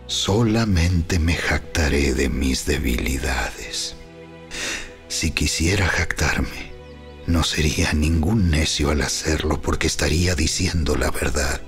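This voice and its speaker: Earnest apostle in audio bible, booming biblical narration, really deep voice, music behind. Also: male voice, fairly bright tone, heavily acted. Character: Paul, earnest, humble male apostle. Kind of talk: dramatized scripture reading.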